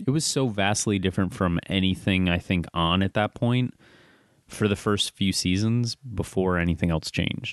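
A man's plain, everyday voice at a fairly low pitch and moderate pace, with ordinary pitch variation and very even loudness, dry and close with no echo, over a quiet background. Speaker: podcast co-host. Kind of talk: casual chat.

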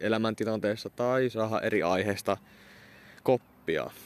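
A man at a very slow pace, with fairly even intonation and a dry, close sound free of echo. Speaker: solo podcaster. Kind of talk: casual monologue. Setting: outdoors by a motorway. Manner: halting.

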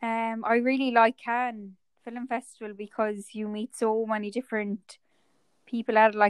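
A woman speaks in an Irish accent with a monotone, flat intonation. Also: dry, close sound with no echo. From rural Ireland. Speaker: fitness model. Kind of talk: interview.

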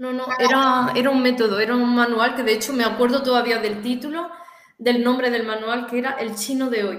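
Over audible room echo, a woman in an Andalusian accent talks at a fairly quick pace, her high voice monotone and flat. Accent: Cordoban Andalusian Spanish. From Córdoba, Andalusia, Spain. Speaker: translator and Mandarin learner. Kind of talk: interview. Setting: video call.

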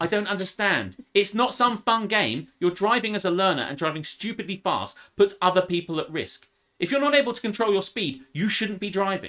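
A man with an English accent, high-pitched, raised and projected, bright and sharp in tone, at a fairly quick pace, on a very clean recording with a silent background. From England. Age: 30s. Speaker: podcast host and DJ. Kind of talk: casual banter chat. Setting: livestream with chat viewers. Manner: joking, profane, animated.

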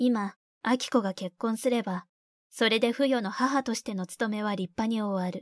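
Recorded very cleanly against a silent background, the dry, close sound with no echo carries a gentle tone and fairly even intonation. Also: woman. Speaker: audiobook narrator. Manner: slow, soft-spoken and measured, gentle and intimate, with a hushed wistful tone; smooth, low-key delivery with little variation, pausing between sentences.

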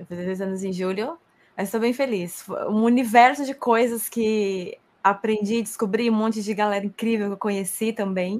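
This woman has an unremarkable speaking voice, fairly high in pitch, with fairly even intonation, big swings in loudness and a moderate pace. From São Paulo, Brazil. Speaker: streamer and model. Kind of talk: casual chat.

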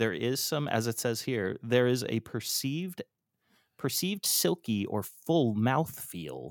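A man's voice with vocal fry in a dry, close, echo-free and very clean recording with a silent background. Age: 30s. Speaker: beer and retro gaming photographer. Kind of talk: casual chat.

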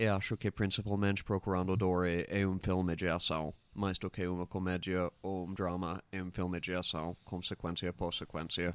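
The voice carries an American accent, its intonation flat and monotone. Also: man, very deep, low pitch for a man, moderate pace, dry, close sound with no echo, very clean recording, silent background. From United States. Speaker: film festival curator. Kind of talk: casual chat. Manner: halting.

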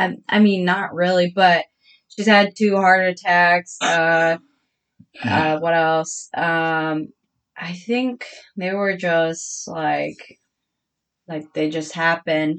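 In a Michigan accent, a woman with a fairly low pitch speaks at a very slow pace, with fairly even intonation and long, frequent pauses. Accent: Midwestern American (Michigan). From Michigan, Downriver (Trenton). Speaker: sandwich shop worker, host's fiancee. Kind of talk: casual chat. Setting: studio.

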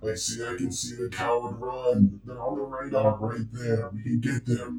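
A man uses a put-on character voice at a medium pitch, with fairly even intonation and a moderate pace. Faint music plays in the background. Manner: scornful, predatory.

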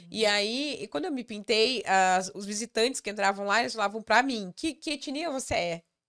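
Heard on a very clean recording with a silent background, a woman with a plain, everyday voice speaks at a moderate pace and medium pitch. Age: 30s. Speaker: author. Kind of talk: casual chat.

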